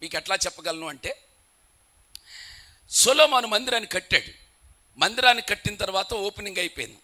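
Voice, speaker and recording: A man preaching a sermon, telling humorous stories and building to loud, emphatic declarations. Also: high-pitched, expressive, fairly quick.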